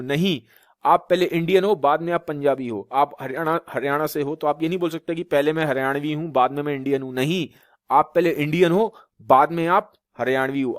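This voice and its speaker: A man from Uttar Pradesh gives a classroom lecture in a slightly high voice. He keeps asking rhetorical questions and checks with his students as he explains. The sound is dry and close, with no room echo. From Uttar Pradesh, India. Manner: repetitive rhetorical questions, frequent "theek hai" checks. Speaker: teacher. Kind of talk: classroom lecture in Hindi mixed with English.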